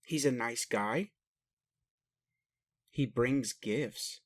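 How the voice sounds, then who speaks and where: A man acts out a male alien caretaker from a roleplay audio, talking slowly in a mid-pitched voice. He is formal and halting, endlessly puzzled by human ways. He questions the listener in a literal-minded but caring manner. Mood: suspicious, puzzled.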